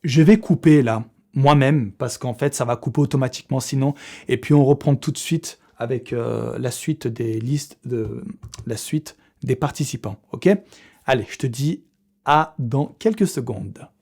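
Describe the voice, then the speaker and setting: Young male vlogger, mellow tone, casual, slangy delivery with swearing. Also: mid-range voice, measured pace. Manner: slangy, swearing, chatty, laughs often. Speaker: fitness youtuber running a giveaway draw. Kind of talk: casual vlog talk to camera.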